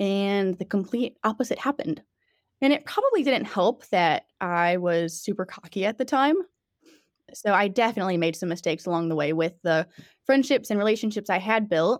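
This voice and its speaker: In a very clean recording with a silent background and a dry, close sound with no echo, a woman with an American accent and a plain, everyday voice talks at a fairly quick pace with lively intonation. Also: medium pitch for a woman. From US Midwest, Chicago area. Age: young. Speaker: athlete. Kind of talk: testimony.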